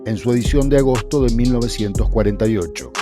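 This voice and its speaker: Man, channel presenter, scripted introductory narration, medium pitch, music clearly behind. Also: fast talker.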